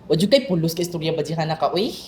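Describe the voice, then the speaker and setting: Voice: medium pitch, lively intonation, rapid-fire, a little mellow, a little hiss or hum, natural voice. A performer playing a sullen, defiant young gay son in an amateur radio drama, snappy and emotional. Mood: exasperated. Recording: echoey room.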